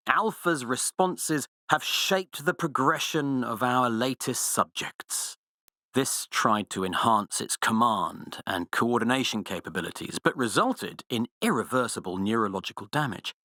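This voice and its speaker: An actor playing a cold, arrogant villainous scientist in a video game, speaking in a precise, formal, haughty way. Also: male voice, on the low side, bright, forceful tone, no room sound, clean studio sound, full character voice. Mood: coldly clinical. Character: cold, arrogant villainous male scientist, menacing and self-assured.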